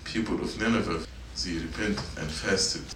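At normal speed and with a low-pitched voice, a church youth teacher gives a sermon to a group of middle schoolers, going over his points again and putting questions to them. The sound is echoey, with a distant mic and a little background noise, in a church meeting room.

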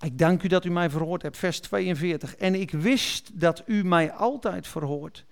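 A man's voice: sits high, normal speed, gravelly, clear, resonant tone. A man preaching, reading Bible verses aloud and explaining them, correcting small slips as he goes. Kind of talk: sermon reading and explaining scripture.

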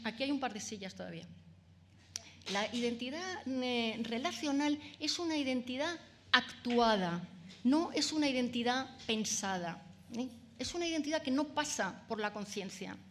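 A woman with a Spanish accent from Spain delivers an academic lecture in a somewhat high voice. She builds her points patiently, often tagging sentences with little questions to the audience and pausing on fillers. She speaks to a room of listeners. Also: slight background noise. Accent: Peninsular Spanish. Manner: explanatory, frequent tag questions and fillers. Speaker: author giving a lecture.

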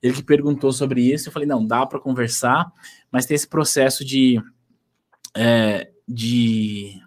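A man's voice: medium pitch, fairly even intonation, unhurried. A man hosting a casual live chat, reading viewer questions in a rambling, joking way. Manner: rambling, joking, many fillers and restarts.

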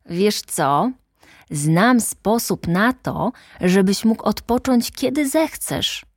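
A woman voicing a gentle, curious little boy prince in a storybook reading, asking earnest questions. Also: medium pitch, expressive, slow pace, husky, no echo, clean studio sound, voice pushed up, heavily acted.

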